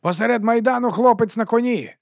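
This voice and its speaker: A man's voice: very high voice, brisk, creaky, no echo, clean studio sound, voice pushed up. A man voicing an earnest, naive young constable in an audiobook.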